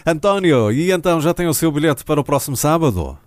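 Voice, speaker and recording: A man's voice: a little high, animated, fast talker, no room sound. A man with a European Portuguese accent hosting a morning radio show and chatting live with a caller.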